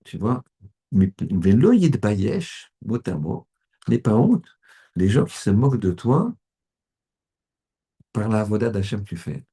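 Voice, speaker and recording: A middle-aged rabbi preaches with a low, gravelly voice that has a husky edge. His tone is dark and mellow. He talks in a lively way and slips into other voices to act out small scenes. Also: measured pace, pauses often. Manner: animated, acts out little scenes with voices. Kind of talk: sermon.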